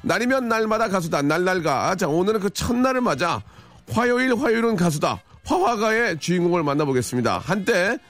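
Middle-aged guy hosting radio, jokey teasing, kinda high voice that jumps around a lot. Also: sing-song, fairly quick, fairly bright tone. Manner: playful, teasing, lots of short "ye, ye" backchannels. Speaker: radio show host. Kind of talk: casual radio talk.

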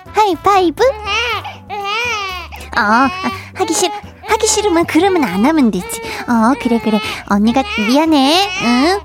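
A woman playing a bright young woman in a radio comedy sketch who coos at a little child in a high, swooping, sing-song voice. Her pitch leaps up and down, and soft music runs faintly underneath. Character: bubbly young woman fussing over a child.

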